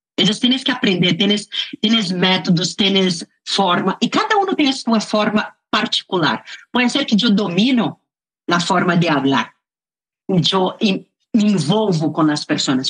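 A woman talks at a medium pitch in a somewhat breathy voice at a fairly slow pace. Her intonation is lively and her loudness very even. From Brazil, rural northern Minas Gerais. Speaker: entrepreneur. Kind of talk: interview. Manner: animated.

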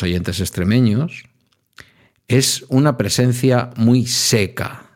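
This is a man with an ordinary speaking voice. His pitch sits in the medium range. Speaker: podcaster. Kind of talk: casual chat.

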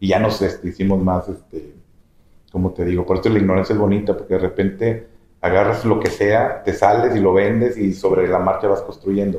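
A man with a fairly low, somewhat breathy voice speaks at a fairly quick pace. His intonation is monotone and flat. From Monterrey, northern Mexico. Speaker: entrepreneur. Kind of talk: interview. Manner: halting.

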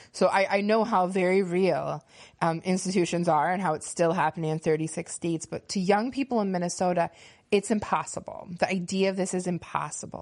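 A woman's normal speaking voice at medium pitch, fairly quick, with fairly even intonation over a quiet background. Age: 40s. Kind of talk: interview. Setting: studio.

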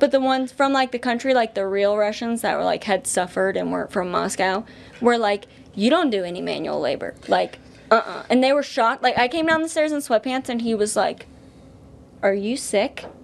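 Over noticeable background noise, a woman with an American accent talks fairly quickly in a fairly high pitch, her intonation varying in an ordinary way. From Colorado, US. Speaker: podcast crew member and co-host. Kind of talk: casual chat.

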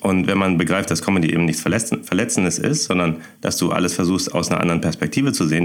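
A man talks at a fairly quick pace in a very deep, low pitch with ordinary variation. Noticeable background noise sits behind him. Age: 40s. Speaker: magician and comedian. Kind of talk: casual chat. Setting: remote call.

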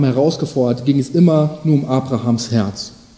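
At a fairly slow pace, a man with a plain, everyday voice speaks at a fairly high pitch with ordinary pitch variation. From Lake Constance region, southern Germany. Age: 30s. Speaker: pastor. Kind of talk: sermon. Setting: church. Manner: casual.

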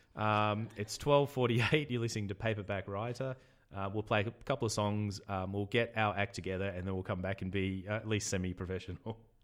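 Fairly quick and fairly low-pitched, a man talks with fairly even intonation. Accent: Australian.

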